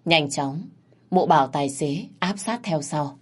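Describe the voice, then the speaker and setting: Low-voiced woman storyteller. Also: expressive, unhurried. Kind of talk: scripted story narration.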